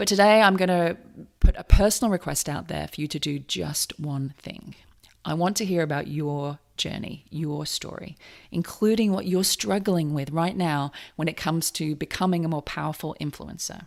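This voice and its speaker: A woman's fairly low voice with a British accent, ordinary pitch variation, moderate pace and big swings in loudness, on a very clean recording with a silent background. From Britain. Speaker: podcast host. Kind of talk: podcast interview.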